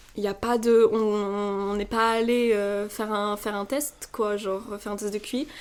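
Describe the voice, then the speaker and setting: A woman's fairly high voice with fairly even intonation, on a very clean recording with a silent background. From Brittany, France. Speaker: podcast guest. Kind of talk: casual interview chat. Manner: halting, many fillers.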